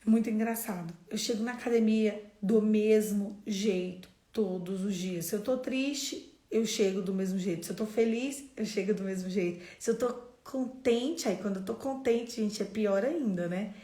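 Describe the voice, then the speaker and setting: A woman's voice: mid-range voice, normal speed, few pauses. Fervent Brazilian woman preaching, echoey room. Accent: Brazilian Portuguese. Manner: emphatic, exhortative, swings to loud bursts. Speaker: devotional preacher. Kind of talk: passionate devotional preaching.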